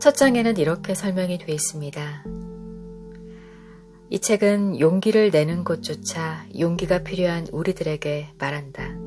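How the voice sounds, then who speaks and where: Music plays behind a woman who speaks calmly at a fairly slow pace. Her voice is fairly low, with lively intonation. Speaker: audiobook narrator. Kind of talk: audiobook reading, sleep-time book narration. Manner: soft, calm, slow.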